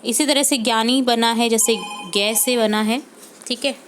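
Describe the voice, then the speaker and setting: Patient woman teacher, slightly high voice. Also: steady tone, music in the background. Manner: patient, repeats words slowly and checks in with "ठीक है". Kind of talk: homework walkthrough lesson for young pupils.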